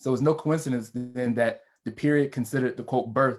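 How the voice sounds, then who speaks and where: Recorded very cleanly against a silent background, a man with a Virginia accent speaks with fairly even intonation. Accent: Virginia Southern US. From rural South Central Virginia (Farmville). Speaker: public historian. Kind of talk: panel talk with prepared notes. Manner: hesitant, with frequent fillers.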